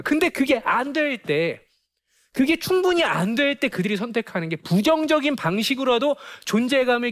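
A man speaks in a high voice, lecturing parents on raising children. His pitch leaps up and down as he throws out rhetorical questions. He often mimics the children and mothers he describes.

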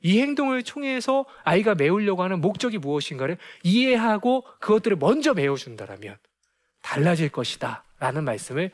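Lively high-voiced man lecturing parents. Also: a little fast. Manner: asks rhetorical questions, acts out children and mothers.

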